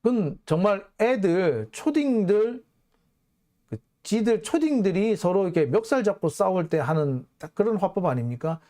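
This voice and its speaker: A middle-aged man hosting a political commentary, talking bluntly and with open scorn. His pitch sits a bit high for a man and swings widely, rising sharply for sarcastic asides. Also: expressive, normal speed, mellow. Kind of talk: opinionated political monologue.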